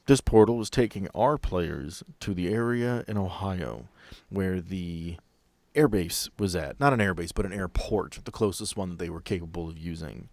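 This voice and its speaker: A man with a fairly low voice runs a tabletop game as its master. He describes scenes like a storyteller, improvising as he goes, in a close, dry recording. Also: darkish tone, no echo.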